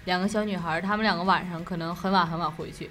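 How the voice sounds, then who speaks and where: A woman's voice: lowish voice, steady tone, quick pace, a bit bright, faint music behind. A young woman with a Northeastern Chinese accent co-hosts a late-night show, telling ghost stories in a casual, rambling, repetitive way. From Northeast China.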